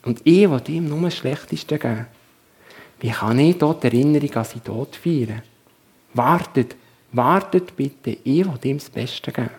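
A man voicing a grieving old widow in a soft, hushed whisper. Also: medium pitch, normal speed, lightly acted. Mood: remorseful.

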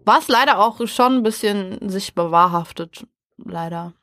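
A woman's voice: mid-range voice, a little slow, fairly bright tone, dry recording, studio quality. A woman co-hosting a casual chat, talking in a colloquial, joking way. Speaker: co-host of a German rap album review.

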